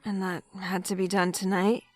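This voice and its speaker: A woman's voice: mid-range voice, flat delivery, no echo, soft background music, close to an everyday voice. A woman playing a shy, anxious young woman with a hesitant manner in a naturalistic audio drama. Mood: sleepy, concerned. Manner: hesitant, halting.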